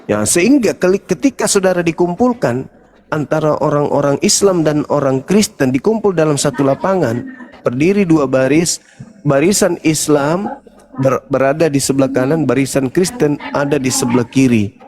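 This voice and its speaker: A male preacher giving a sermon in an animated, mocking way. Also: fairly high pitch, normal speed, soft background music. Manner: animated and mocking, acts out crowd chants.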